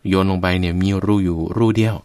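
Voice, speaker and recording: A man's voice: deep voice, fairly even intonation, fast talker, warm tone, clear, resonant tone, dry recording, studio quality. A man giving a Buddhist sermon, addressing his listeners directly and explaining with everyday examples. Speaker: Buddhist preacher.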